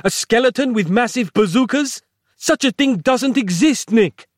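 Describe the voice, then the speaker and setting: A man voicing a panicking Italian sidekick, with shrill, outraged yelling. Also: lively intonation, moderate pace, dry recording, clean studio sound.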